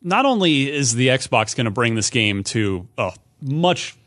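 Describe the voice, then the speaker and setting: A man's voice: medium pitch, sing-song, a little slow, fairly bright tone. A man hosting a casual panel conversation about video games, speaking conversationally. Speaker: show host.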